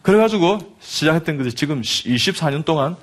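Speaking briskly in a slightly high voice with lively intonation, a man in his fifties who works as a doctor delivers a fervent Christian testimony in a preacherly style. He talks emphatically to a studio audience and addresses listeners directly.

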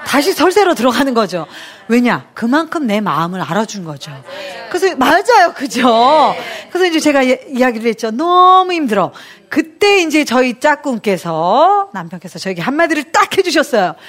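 A middle-aged woman gives a motivational talk as a coach, speaking in a high voice. Her pitch swoops widely as she tells her stories and acts out what people said. She laughs often as she goes. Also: normal speed. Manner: lively storytelling, acts out quotes, laughs often.

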